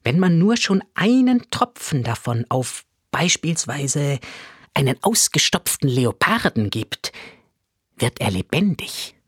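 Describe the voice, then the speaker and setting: A jittery, stammering little museum professor, put on by a man reading a storybook aloud. The voice jumps high in panic and swings through a lively range. The sound is dry and close. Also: slow, husky, no echo, heavily acted. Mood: secretive. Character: jittery bald little male museum guide.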